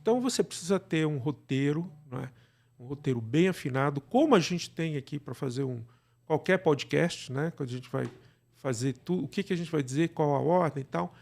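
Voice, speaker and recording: A man's voice: a little high, animated, a little fast, vocal fry, a little mellow. A man with a Brazilian Portuguese accent, an interview guest chatting casually and giving advice in a colloquial, wandering way. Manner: colloquial, digressive, often seeking agreement with tags. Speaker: interview guest, radio drama creator.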